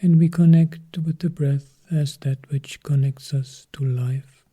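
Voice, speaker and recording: A man guides a meditation at a very slow, unhurried pace, letting long pauses sit between short phrases. His voice is deeply mellow and dark, with a husky, breathy grain that often drops to a half-whisper. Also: fairly even intonation. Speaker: Buddhist monk leading meditation.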